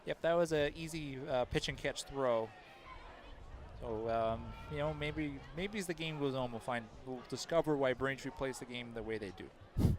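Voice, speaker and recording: At a local high school football game, a man provides color commentary, chatty and analytical, frequently restarting sentences. He speaks at a moderate pace, and there's a little hiss or hum on the recording.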